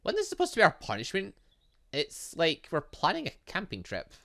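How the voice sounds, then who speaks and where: A man giving animated let's play commentary on a video game, reading dialogue aloud and adding sarcastic asides. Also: on the high side, normal speed, creaky. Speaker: gaming channel host.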